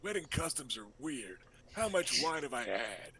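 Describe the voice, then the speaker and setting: A man working as game master, narrating a tabletop role-playing game in a casual, halting, improvised way. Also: medium pitch, very animated, over a noisy crowd.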